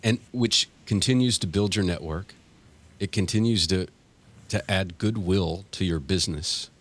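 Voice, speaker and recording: A man's voice: sits low, measured pace. A man hosting a podcast interview, agreeing with his guest and building on his points. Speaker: podcast host.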